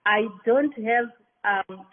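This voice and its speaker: Female, Zimbabwean accent, fairly high voice, earnest and halting testimony, narrow phone-like sound. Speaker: party member giving a testimony. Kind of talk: spontaneous personal testimony to a meeting. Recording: tinny, band-limited online call audio.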